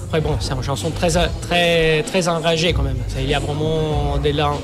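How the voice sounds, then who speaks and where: A man's voice: fairly high pitch, little pitch movement, normal speed, music in the background. Man searching for French words. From Sicily. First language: Sicilian. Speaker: musician guest. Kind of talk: radio interview.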